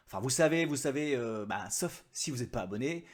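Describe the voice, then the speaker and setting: A man's voice: medium pitch, lively intonation, fairly quick. A man hosting his own book review vlog, chatty and joking at his own expense. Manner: chatty, self-mocking asides. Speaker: book vlogger.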